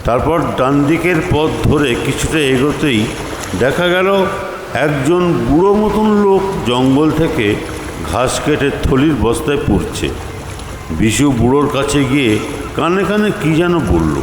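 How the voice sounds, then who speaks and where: A man's voice: on the high side, very animated, a little slow, noisy background. A man narrating a story expressively as the storyteller.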